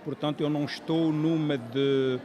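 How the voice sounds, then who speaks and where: A man, an author explaining his book in an interview, measured and full of hesitations. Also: a little high, fairly even intonation. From Portugal. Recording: outdoor crowd chatter behind.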